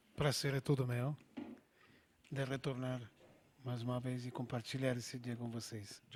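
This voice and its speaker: A man speaks at a medium pitch in a flat monotone, somewhat breathy. He goes at a fairly slow pace with long, frequent pauses, on a very clean recording with a silent background. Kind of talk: polite, warm, speaking as a guest on a TV show. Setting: television talk show.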